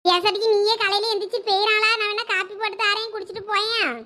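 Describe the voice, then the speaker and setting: A woman's voice: very high voice, little pitch movement, quick pace, pushed and bright. A woman voicing a bossy village mother in a cartoon who grumbles and scolds in a Thoothukudi Tamil accent. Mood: grumbling.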